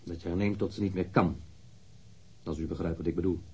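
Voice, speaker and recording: Radio play witness in his 30s, low mellow husky voice, blunt and precise, totally matter of fact. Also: fairly even intonation, brisk, full character voice. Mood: frank, blunt. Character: jealous male ex-lover, blunt, candid police witness. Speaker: witness under questioning. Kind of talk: radio drama interrogation acting.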